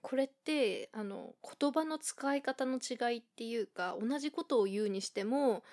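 A woman from Japan hosting a casual solo podcast, thinking aloud and filling pauses with frequent fillers. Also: fairly high pitch, darkish tone. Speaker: podcast host.

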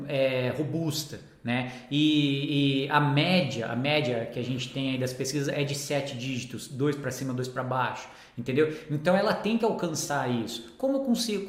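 A man's voice: fairly high pitch, echoey room. A Brazilian man who teaches school, chatting casually and acting out the voices of people he quotes. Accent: Brazilian Portuguese. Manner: animated, acts out quoted voices. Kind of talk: casual conversation.

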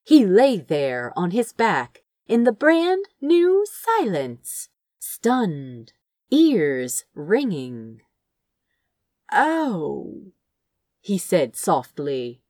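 A woman narrates a story in an expressive, theatrical style. Her pitch swings widely from phrase to phrase, and she takes her time with deliberate phrasing. The sound is dry, with very little room in it. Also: no echo. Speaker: audiobook reader of fan fiction. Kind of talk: expressive dramatic scripted narration.

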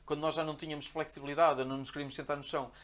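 Portuguese guest, male, rapid-fire animated storyteller with a high voice, acts out quotes. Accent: European Portuguese. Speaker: podcast guest. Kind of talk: casual storytelling.

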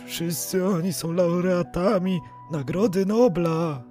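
A man plays a government spokesman in an audio drama, high in pitch and slow to get his words out. He is timid, pleading and deferential, with faint music behind him. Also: warm tone. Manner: halting, drawn-out hesitant openings. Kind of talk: audio drama character acting.

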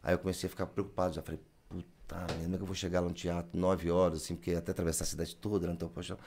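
A man's voice: deep voice, level tone, rapid-fire, a little mellow, slight background noise. A Brazilian man, telling a story in casual chat and acting out the lines he quotes.

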